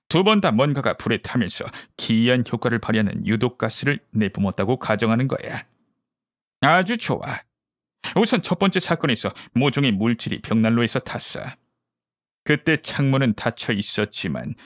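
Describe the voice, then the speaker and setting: A man voicing a brisk, confident male detective who reasons methodically and commands, in audiobook dialogue. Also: mid-range voice, dry recording, studio quality, natural voice. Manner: deductive, explanatory, commanding.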